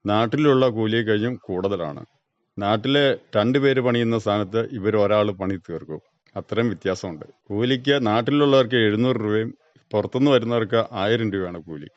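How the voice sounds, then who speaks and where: Low-voiced Kerala man, dull dry recording. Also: brisk, no echo. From Kerala, India. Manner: brief, plain, matter-of-fact answers. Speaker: farmer being interviewed. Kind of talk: radio interview answers. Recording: dull, band-limited dry radio recording.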